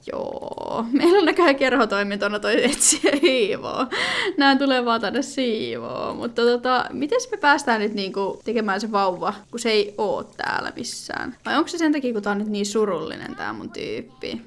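A woman talks her way through a video game in a casual, rambling commentary. Her voice sits on the high side and swings widely in pitch. She fills gaps with hesitations and breaks off into sudden exclamations. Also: very animated, fairly bright tone. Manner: chatty, thinking aloud with many fillers and sudden exclamations. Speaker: gaming video creator.

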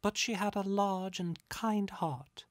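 A woman's voice: medium pitch, steady tone, slow, no echo, clean studio sound, voice pushed up, lightly acted. A narrator voicing a catty, gossipy female spirit in a storybook, with an arch, theatrical and exaggerated delivery. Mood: catty, dismissive.

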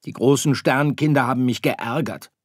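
A man's voice: medium pitch, moderate pace, no room sound, clean studio sound, voice pushed up, natural voice. A man voicing a stubborn, whiny little boy star in an audiobook, pouting and complaining. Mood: tearful. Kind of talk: audiobook character voice.

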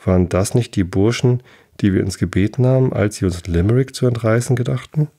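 A man's voice: on the low side, a little fast, dark tone. A man voicing a curious, greedy young male farmhand who asks eager questions.

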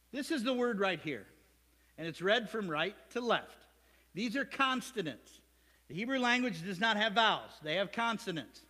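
A Midwestern American pastor, his voice pitched high for a man, preaches a sermon inside a church sanctuary. Lively and playful, he slips jokes and side comments to the congregation while the hall's long reverb rings out.

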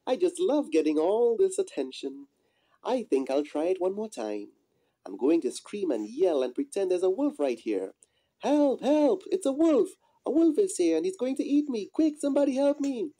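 A puppeteer voicing a mischievous, excitable young shepherd boy with exaggerated delivery in an amateur puppet show. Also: mid-range voice, moderate pace. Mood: panicked. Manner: exaggerated, yelping when alarmed. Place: small indoor room, behind puppet curtain.

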